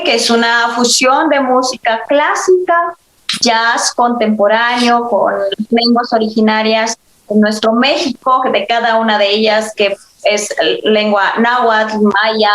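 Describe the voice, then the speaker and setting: Mexican woman, Mixe first language, guest singer; mid-high voice, roomy echo, relaxed pace with pauses. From Oaxaca, Mexico. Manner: unhurried, with frequent pauses and fillers. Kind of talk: casual interview answer.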